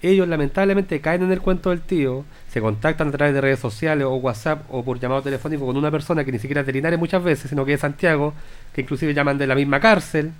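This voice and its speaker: Friendly Chilean radio guest. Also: male voice, fairly high pitch, fast, clear, resonant tone. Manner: friendly, anecdotal. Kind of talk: radio talk.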